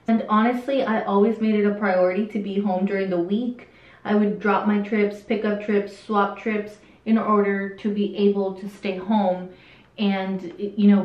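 A woman in her late twenties from El Salvador, raised in Southern California, with a light Hispanic accent. She talks in a candid, chatty way and restarts sentences often. Her voice is recorded on a camera in a small room that sounds roomy and a little dull. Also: mid-range voice. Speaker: vlogger. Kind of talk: casual Q&A while doing makeup. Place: small indoor room with a curtain backdrop.

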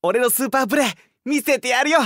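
A man's voice: very high-pitched, quick pace, a bit bright, no room sound, studio quality. A man voicing a cheerful, boastful young boy, bouncy and eager, anime-style. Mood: excited. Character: cheerful, excitable boy bragging about basketball. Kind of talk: anime-style dramatic acting.

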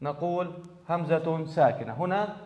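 A man's voice: fairly high pitch, lively intonation, normal speed. A man teaching a grammar lesson in a classroom, explaining step by step and repeating key words. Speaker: Arabic teacher. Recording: echoey hall, dull lo-fi sound.

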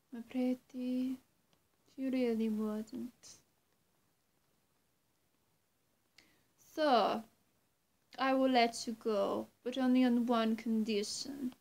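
Young woman as slow, two-faced vampire woman. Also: on the high side, darkish tone, heavily acted. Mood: coaxing, wary. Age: young adult. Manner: halting, teasing threats with long pauses, often dropping to breathy near-whisper. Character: menacing, two-faced female vampire, sweet then threatening. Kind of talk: roleplay addressed to the listener. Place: small room at home, indoors.

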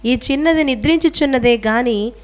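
Woman slowly reading scripture aloud. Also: sits high. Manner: measured, solemn recitation. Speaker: scripture reader. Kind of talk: slow formal Bible reading.

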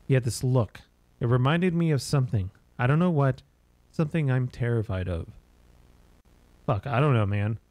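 An uneasy, tipsy gas station worker voiced by a man reading game text rambles hesitantly to the police. The voice is mid-pitched and dryly recorded, in a horror game's emergency call. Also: a little mellow, no room sound, lightly acted. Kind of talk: reading game dialogue aloud.

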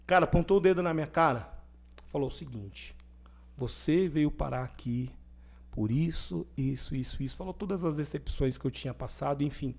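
A young adult man speaking as a podcast guest, his voice sitting a little high for a man. He tells his story with energy and plays out the lines of the people in it as he goes. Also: moderate pace, creaky. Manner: animated testimony, acting out quoted dialogue. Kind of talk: conversational storytelling.

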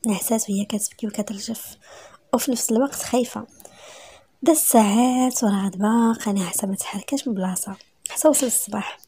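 A woman with a Moroccan accent narrating a romantic story in a dramatic, sometimes hushed way. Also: a little high, quick pace, slightly rough.

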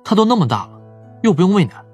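A man's voice: high voice, big pitch swings, quick pace, a little mellow, husky, faint music behind, full character voice. A man playing a confident, easygoing police detective in an audio drama. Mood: nonchalant.

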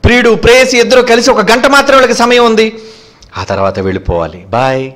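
A man's voice: extremely high pitch, fast talker. A man with a Telugu accent preaching a sermon, asking rhetorical questions and acting out quoted speakers. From India. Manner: animated, rhetorical questions, acts out quoted lovers.

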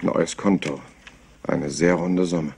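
A man playing a rumpled, persistent middle-aged police inspector in a German-dubbed crime drama, husky, polite and offhand. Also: deep voice, steady tone, slow, a little mellow, exaggerated voice. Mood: polite, probing.

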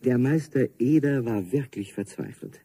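A man's voice: medium pitch, normal speed, warm tone, breathy edge, dry recording. A man narrating a children's radio play as a scripted story.

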